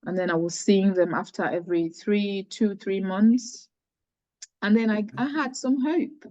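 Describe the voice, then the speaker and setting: A woman's voice: mid-range voice, unhurried, dark tone, no room sound, muffled recording. Earnest woman telling her story. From Cameroon. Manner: earnest, storytelling with many restarts. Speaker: charity founder, guest. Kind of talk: personal story in interview.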